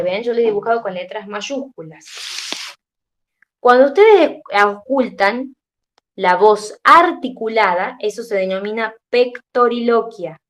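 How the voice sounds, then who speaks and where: A young woman lectures her students, sounding tired. She explains each step in turn and keeps checking that the class is following along. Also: fairly high pitch. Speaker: teacher.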